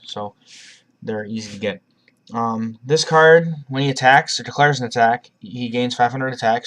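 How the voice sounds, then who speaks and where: A man presenting a card deck profile in a casual, rambling way, with frequent restarts and a cough drop in his mouth. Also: medium pitch. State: has a cough, talking around a cough drop.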